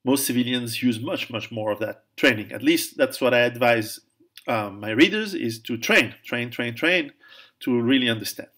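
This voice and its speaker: A man speaks in a casual question-and-answer monologue at a middle pitch. He stumbles and restarts often, fills pauses with "um", and chuckles at his own jokes. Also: lively intonation, a bit bright. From Italy, raised in Switzerland. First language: Italian. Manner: hesitant, many restarts and fillers, laughs at own jokes. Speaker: author answering viewer questions.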